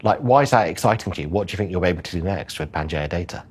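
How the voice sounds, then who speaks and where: Very deep, slightly husky man. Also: expressive, rapid-fire. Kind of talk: conversational interview.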